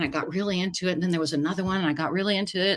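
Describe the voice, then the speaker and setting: The speech comes very fast in an American accent, with an animated, bright and sharp tone. The recording is very clean, with a silent background. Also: woman. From US Northeast. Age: 60s. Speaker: actress. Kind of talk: casual chat. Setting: live stream.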